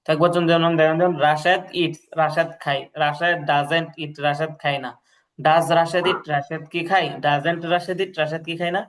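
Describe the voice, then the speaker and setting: Slow reading of English sentences followed by translations marks this man's grammar lesson, as he patiently repeats drills and checks understanding. His voice runs on the high side, fairly bright, with a steady tone.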